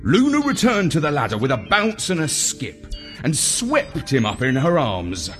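A man reading a children's story in an expressive, deliberate, theatrical narrating style. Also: a little high, faint music behind. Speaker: story reader.

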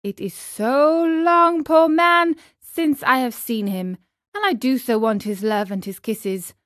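A remorseful young wooden puppet boy, as a woman reading a storybook puts him on, earnest and childlike as he pleads. His voice sits high, and the delivery is unhurried. The sound is close and dry. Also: a bit bright, no room sound. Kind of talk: storybook character voice.

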